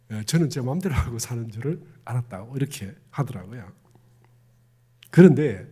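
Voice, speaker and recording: A man's voice: on the high side, mellow, husky. A middle-aged man with a Gyeongsang accent, a minister giving a conversational sermon and putting questions to the congregation. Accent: Gyeongsang Korean. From Gyeongsang province, Korea. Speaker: Won Buddhist minister.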